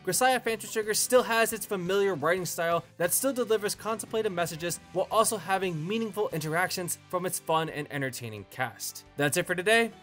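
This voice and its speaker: Male review host, high and bright voice, measured scripted narration, articulate. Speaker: host of a video review channel. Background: background music.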